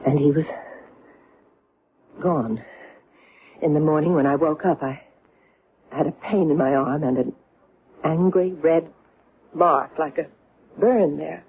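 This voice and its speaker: An actress playing an earnest, haunted middle-aged woman in a vintage radio drama, recalling strange things in hesitant, deliberate, broken phrases. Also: sits low. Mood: haunted, uneasy. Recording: noisy, tinny old radio recording.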